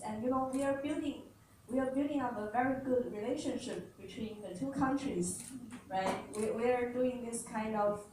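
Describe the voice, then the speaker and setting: A woman's voice: fairly high pitch, darkish tone. A woman speaking for a company answers press questions hesitantly, often searching for words. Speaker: company representative. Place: large event hall. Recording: echoey hall, distant mic, ambient noise.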